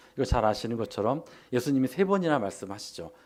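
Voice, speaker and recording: A man is speaking here. He talks at a fairly quick pace. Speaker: lay preacher. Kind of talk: sermon. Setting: church. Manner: fast.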